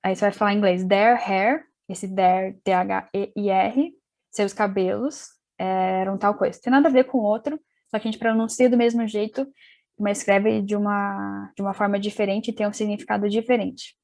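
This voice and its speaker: A woman's voice: medium pitch, steady tone, normal speed, gravelly, darkish tone. A young woman teaching an English class, talking casually, restarting sentences and spelling words out letter by letter, with a London accent when she speaks English. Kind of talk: casual online class explanation.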